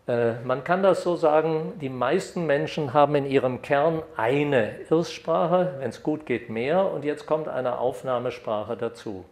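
An older man giving an academic lecture at a podium microphone, lively when reading examples aloud. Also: mid-range voice, measured pace, few pauses. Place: lecture hall. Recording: echoey hall.

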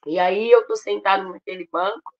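A Brazilian woman with a Brazilian Portuguese accent gives an emotional personal testimony at a ministry, speaking directly to her listeners and calling them "gente." Her voice is medium-pitched and steady at a normal speed, and the recording has its highs cut off.

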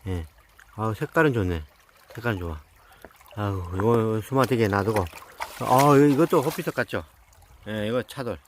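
A man's voice: lowish voice, lively intonation, moderate pace, pauses often, slight background noise. A middle-aged man talking casually outdoors in a mountain stream, muttering and repeating words as he looks at rocks. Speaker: rock-hunting vlogger.

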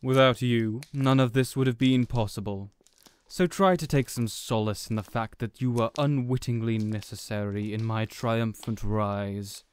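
A man playing a smug, contemptuous supervillain in an audio roleplay, speaking in a deliberate, condescending way. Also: mid-range voice, steady tone, smooth, natural voice. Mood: smug, cold. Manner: deliberate, condescending, theatrical monologuing. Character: smug, contemptuous male supervillain gloating over a beaten rival. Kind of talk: audio roleplay villain acting.

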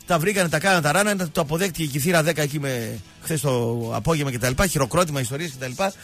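A man's voice: on the high side, fairly bright tone, faint music behind. A male radio show host rambling through mocking, jokey sports banter.

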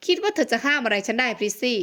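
A woman's voice: on the high side, very animated, racing, a bit bright. A woman voicing a domineering, arrogant young male mafia boss in an audiobook, scolding and menacing. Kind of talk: audiobook character voice.

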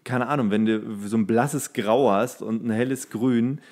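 A man's voice: mid-range voice, moderate pace, darkish tone. Grumbling, crude man ranting casually. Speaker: podcast co-host. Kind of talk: casual chat, ranting banter.

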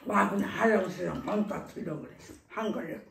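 A woman's voice: lowish voice, normal speed, vocal fry, reverberant, a little hiss or hum. An older woman chatting casually with her son at a home table while eating, giving short simple answers. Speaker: mother. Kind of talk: casual mealtime chat. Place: home dining table, indoors. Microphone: camera across the table.

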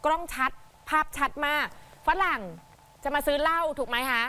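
A woman presenting the news in a high, bright voice, talking over video footage. She tells it in a lively way and acts out what people in the clips said. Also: normal speed. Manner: animated, acts out quotes while narrating footage.

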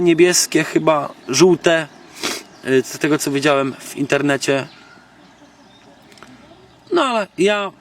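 A Polish man with a voice on the high side demonstrates a gadget as a video blogger, casually and without a script. He halts and thinks aloud in colloquial, slangy speech, recorded on a distant mic with noise and background clicks.

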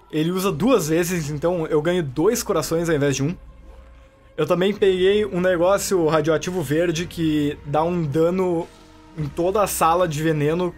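A man with a Brazilian Portuguese accent commenting on his gameplay in a chatty way, reacting loudly and joking at enemies. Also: fairly high pitch. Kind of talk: let's play commentary.

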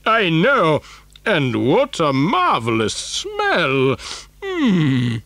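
A man voicing a kindly old grandfather full of wonder, with a gravelly voice, in a storybook reading. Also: on the high side, huge pitch swings, drawn-out words, a bit bright, no echo, pitched above the performer's own voice, exaggerated voice.

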